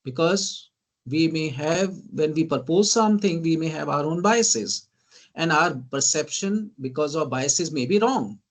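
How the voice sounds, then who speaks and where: Higher-voiced Indian English man lecturing. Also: lively intonation, measured pace. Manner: often asks "right?" and says "ladies and gentlemen"; lists terms in emphatic bursts. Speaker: guest lecturer. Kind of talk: online teaching lecture.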